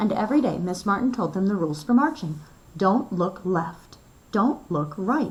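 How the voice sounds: Lively intonation from a natural reading voice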